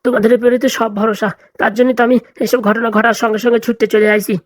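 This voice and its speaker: In comic cartoon dialogue, a fretful, complaining older tutor is brought to life by a performer speaking quickly and flatly. The mid-range voice sounds close to everyday speech, and the recording is dry.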